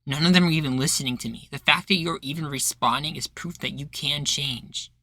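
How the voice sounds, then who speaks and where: A man's voice: a little high, fairly even intonation, fairly quick, bright, forceful tone, dry recording. A man playing an earnest, persuasive rebel leader in a roleplay, making speeches with a folksy turn of phrase. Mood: urgent, coaxing. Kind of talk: roleplay ASMR acting.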